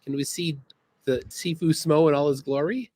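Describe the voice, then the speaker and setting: A man hosting a casual livestream, reading chat aloud in a halting, laid-back way, speaking outdoors by the water. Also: a little high, fairly even intonation, dark tone, dry recording. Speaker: livestream host.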